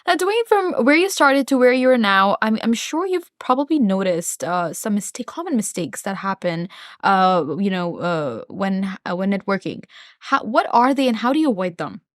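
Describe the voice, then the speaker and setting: A woman hosts a podcast and guides her guest with questions, backing him with steady affirming murmurs. Her voice is at an ordinary pitch, recorded dry and close. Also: moderate pace, no echo. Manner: encouraging, frequent affirming murmurs. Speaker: podcast host. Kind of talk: interviewing a guest.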